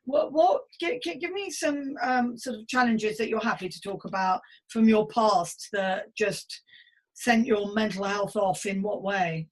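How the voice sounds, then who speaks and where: A woman's voice: mid-range voice, a little slow, rough recording. A middle-aged woman hosting a podcast chat, talking in an effusive, encouraging, rambling way. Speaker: podcast host. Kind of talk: enthusiastic casual interview chat.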